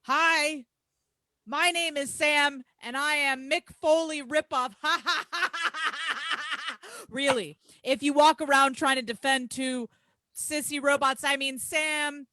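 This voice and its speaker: Female actor as cocky male wrestler for staged promo reading: high voice, unhurried, taunting, grandiose. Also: fairly even intonation, pushed and bright, no echo. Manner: taunting, crude, grandiose, drawn-out emphatic delivery. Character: brash, boastful male pro wrestler cutting trash-talk promos.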